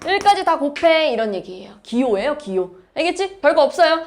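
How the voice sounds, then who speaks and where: A woman's voice: high-pitched, big pitch swings, brisk, slight background noise. A woman math teacher lecturing a class, explaining step by step and asking her students questions.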